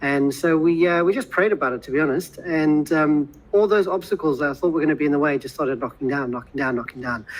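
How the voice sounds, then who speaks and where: A man with a slight English accent speaks at a very fast pace with hardly any pauses. His voice is fairly high-pitched, with ordinary pitch variation. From England, moved to South Africa in 1994. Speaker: learning and development manager. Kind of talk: webinar presentation.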